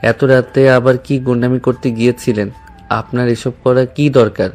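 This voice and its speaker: A man's voice: mid-range voice, steady tone, moderate pace, darkish tone, natural voice. A man playing an anxious young husband who worries and pleads in a dramatized love story. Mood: reproachful, pleading. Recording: music under the voice.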